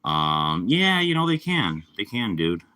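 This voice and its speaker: A young man with a slightly raspy voice from a cold, chatting casually and rambling on a live stream. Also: fairly low pitch, sing-song, measured pace, pushed and bright. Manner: rambling, laid-back, lots of fillers. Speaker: livestreamer.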